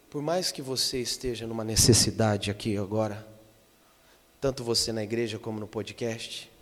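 Impassioned pastor, ringing church. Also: male voice, medium pitch. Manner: impassioned, swings from hushed to loud. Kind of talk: sermon. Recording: long church reverb.

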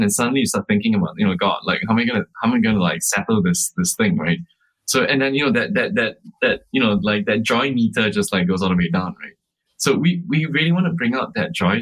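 A man's voice: lowish voice, a bit bright, husky, rough recording. A man who co-founded a startup, answering interview questions casually, with many fillers like "like" and "uh" and frequent restarts. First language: English.

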